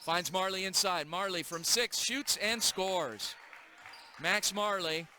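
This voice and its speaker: A man calling a live high school basketball game play by play in a gym, brisk and energetic. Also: slight background noise. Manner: brisk, energetic call of the action. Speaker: play-by-play announcer.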